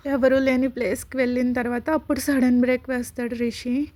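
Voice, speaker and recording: A woman narrating a romantic serial story in a steady, conversational way. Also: high-pitched, brisk.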